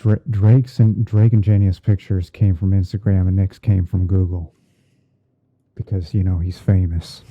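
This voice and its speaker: Man playing a low-voiced, gentle painting instructor, muffled. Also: level tone, unhurried. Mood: gentle, easygoing. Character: gentle male TV painting instructor, soft-spoken and easygoing. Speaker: livestream host. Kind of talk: ASMR roleplay livestream while editing images.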